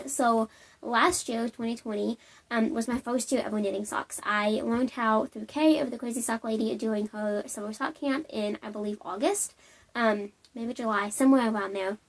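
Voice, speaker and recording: A young woman hosting a knitting podcast, chatting casually and bubbly to camera from home, with lots of "um"s and tangents. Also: on the high side.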